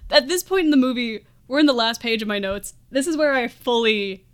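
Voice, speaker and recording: Giggly, higher-voiced woman recapping casually. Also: brisk, clean tone. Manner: giggly, rambling recap full of quoted lines. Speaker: movie podcast co-host. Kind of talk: casual comedic plot recap chat.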